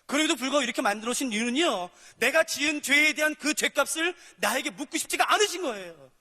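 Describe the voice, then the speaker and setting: High-voiced animated male preacher. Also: fast talker, big-room sound. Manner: animated, acts out dialogues with God and sinners. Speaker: pastor. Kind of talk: sermon.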